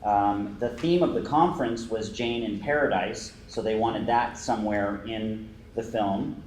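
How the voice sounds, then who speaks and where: A man's voice: fairly low pitch, measured pace, darkish tone. A man from the Bay Area co-presenting a talk, explaining steadily and plainly. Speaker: co-presenter, video producer. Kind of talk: prepared presentation. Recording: echoey room, faint noise.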